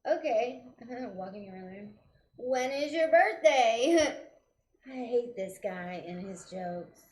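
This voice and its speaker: A woman's voice: lively intonation, takes it slowly, a little mellow. A woman co-hosting a casual live show in a pub, playful and teasing, sounding as if inside a barrel. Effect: boomy sound like inside a barrel. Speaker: co-host. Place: local pub, live broadcast. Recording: echoey, barrel-like room sound, faint room noise.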